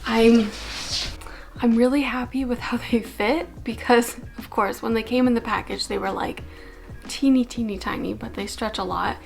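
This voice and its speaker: A woman's voice: a little high, steady tone, normal speed, gravelly, faint music behind. A young woman from Canada, vlogging casually at home with lots of "like" fillers. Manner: chatty, filler-heavy with many "like"s. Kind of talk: casual day-in-the-life vlog.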